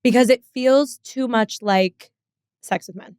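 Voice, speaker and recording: A laid-back woman from Texas who speaks as a podcast guest, candid and quick to giggle. Her voice is slightly high and sounds dry and close. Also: a little mellow, clean tone, no room sound. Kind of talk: casual podcast interview.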